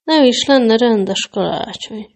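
A woman's voice: on the high side, darkish tone, pitched above the performer's own voice, close to an everyday voice. A woman voicing a little boy in a storybook reading, glum and sleepy in tone. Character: young boy, gloomy then indignant.

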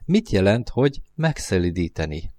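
A man's voice: deep voice, very animated, a little mellow. A man playing a curious little boy prince. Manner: questioning, wondering. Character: curious young boy prince, polite and searching.

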